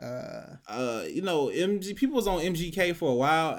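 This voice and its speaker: A man speaks with lively intonation. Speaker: podcast co-host. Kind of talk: casual chat.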